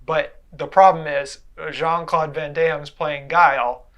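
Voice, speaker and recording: A man's voice: on the high side, steady tone, unhurried, a bit bright. A man chatting casually as a co-host of a talk show. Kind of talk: casual chat about video game movies.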